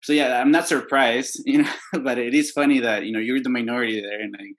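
A man's voice: mid-range voice, fairly even intonation, fairly quick. A man in casual conversation, speaking hesitantly with many fillers and a reflective tone.

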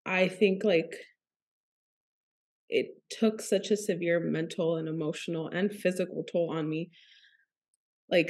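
A woman's voice: fairly low pitch, darkish tone. A woman, a guest on a podcast, talking casually and emotionally, often searching for her words.

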